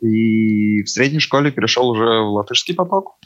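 A man's voice: lowish voice, animated, moderate pace, no echo, dull audio. A young man with a Latgalian Latvian accent, a university student guest who answers hesitantly with fillers and restarts. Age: young adult. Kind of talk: casual talk.

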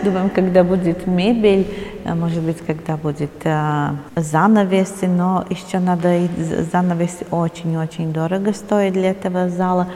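A woman's voice: fairly low pitch, fairly even intonation, normal speed, mellow, a little hiss or hum. Woman tour guide in a reverberant hall. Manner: hesitant non-native Russian phrasing. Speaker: museum guide.

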